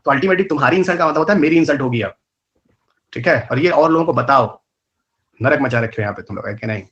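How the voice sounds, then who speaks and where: With a mid-range, fairly bright voice and highs cut off in the recording, a man delivers a live online exam-prep lecture. He speaks in rapid colloquial Hindi with English terms, in a rural north Indian Hindi accent, peppering students with rhetorical questions and scolding them.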